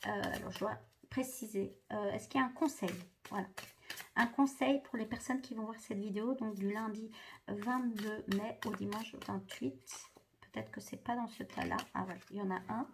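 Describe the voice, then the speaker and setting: A woman's voice: mid-range voice, steady tone, moderate pace, background noise. A woman doing a spiritual card reading for viewers, hesitant and full of fillers and restarts. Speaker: tarot card reader.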